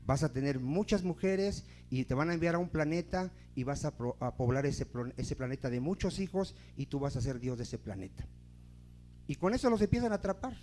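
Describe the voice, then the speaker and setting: A man's voice: on the high side, animated, fairly quick, warm tone, soft background music. A man preaching a sermon as pastor in a church, emphatic and asking the congregation questions.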